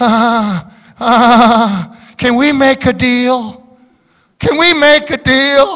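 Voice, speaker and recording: Putting on a character voice, a man projects at an extremely high pitch, moving at a very slow pace with long, frequent pauses. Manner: pleading.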